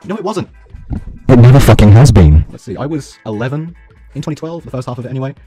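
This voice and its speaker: A man's voice: medium pitch, animated, fast, warm tone, slightly rough, soft background music. A man in his twenties reads a scripted rant. He talks in a heated, profane way and throws insults. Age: 20s. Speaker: YouTuber responding to a critic.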